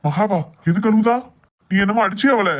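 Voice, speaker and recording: Woman voicing an exasperated middle-aged husband, sarcastic, rapid. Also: medium pitch, lightly acted. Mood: grumbling. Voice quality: grumbling, sarcastic. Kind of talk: comic family skit.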